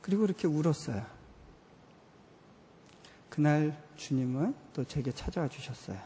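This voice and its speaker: A man's voice: on the high side, expressive, normal speed, mellow, slight background noise. Earnest man preaching in an echoing hall. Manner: heartfelt, earnest storytelling. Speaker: missionary preacher. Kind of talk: sermon with personal story. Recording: reverberant hall.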